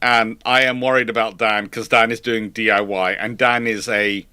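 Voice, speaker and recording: A man hosts a casual live panel, thinking aloud as he goes. His voice is very bright and sits in a dry space with little room sound. He rambles conversationally from point to point. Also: fairly low pitch, fairly even intonation, normal speed, clear, resonant tone, no room sound. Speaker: host of a live question-and-answer stream.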